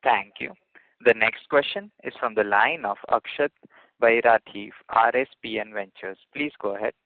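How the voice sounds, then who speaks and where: A man's voice: lowish voice, normal speed, a little hiss or hum. A man working as a conference call operator, announcing callers with set formal phrases. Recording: dry, narrow phone line.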